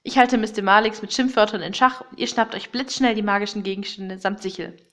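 A woman's voice: medium pitch, steady tone, a little fast, natural voice. A woman playing a plucky detective who narrates a children's audio story in a dramatic, conspiratorial way. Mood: urgent, rallying. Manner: conspiratorial, dramatic, addressing young listeners directly. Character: excitable, plucky male detective Otto, leading young sleuths.

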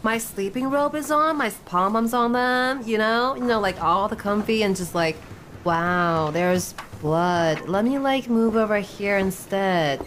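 A woman's voice: mid-range voice, unhurried, fairly bright tone, a little hiss or hum. A woman playing a tabletop role-playing game, improvising casually for her character in a breezy, conversational way.

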